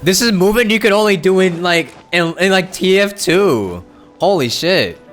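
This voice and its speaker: A man's voice: sits high, lively intonation, moderate pace, a bit bright. A man livestreaming a game with casual, informal commentary, full of exclamations and muttered asides. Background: game music.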